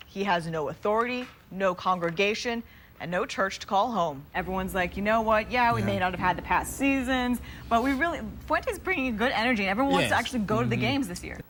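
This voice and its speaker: Over noticeable background noise, a woman with a medium pitch talks at a very fast pace with lively intonation. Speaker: TV news reporter and anchor. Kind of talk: TV news live shots and stand-ups.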